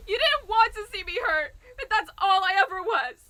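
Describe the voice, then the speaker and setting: High-voiced female spy, sardonic and anguished, played by a woman for an emotional wartime audio drama. Bright, keen tone. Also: expressive, normal speed, no room sound, heavily acted. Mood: anguished, tearful.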